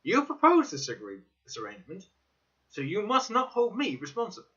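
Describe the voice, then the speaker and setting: Wry, cautious gentleman, read by a male performer, explanatory and emphatic, swooping pitch, lo-fi storybook recording. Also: huge pitch swings, a little fast, heavily acted. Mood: defensive. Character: Stamford, cautious, wry young gentleman companion. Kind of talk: dramatic audiobook reading. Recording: dull lo-fi recording.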